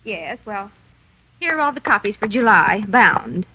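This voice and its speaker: A woman playing a brisk, officious library clerk in an old radio drama, recorded as a dull old radio broadcast. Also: medium pitch, sing-song, bright, forceful tone, slightly rough, no room sound, heavily acted. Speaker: newspaper files clerk. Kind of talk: 1940s radio acting.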